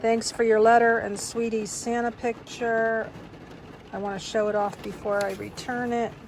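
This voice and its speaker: A woman's voice: fairly high pitch, level tone, moderate pace, a little hiss or hum, low-quality recording. An older woman in a casual vlog, reminiscing and reading aloud in a wistful, rambling, reflective way. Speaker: vlogger. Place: inside a parked car.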